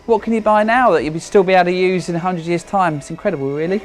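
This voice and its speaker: Soft background music plays as a thirty-five-year-old British history enthusiast talks fast in a high voice. He's being interviewed informally while showing his home, speaking hesitantly and with old-fashioned turns of phrase.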